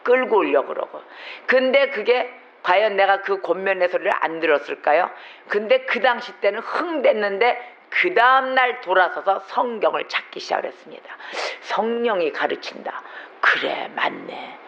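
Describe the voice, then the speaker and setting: A man with a notably high voice preaches in church, pressing his points with one rhetorical question after another. The recording sounds dull and lo-fi, muffling the top end. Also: lively intonation, normal speed, fairly bright tone. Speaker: pastor. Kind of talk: sermon. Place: church sanctuary.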